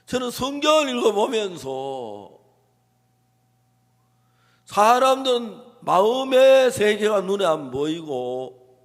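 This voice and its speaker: A man preaches a sermon in a big church hall, his voice sitting a little high. He moves between quiet, hushed storytelling and emphatic declarations, with acted quotes. Long reverb trails each phrase. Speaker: pastor.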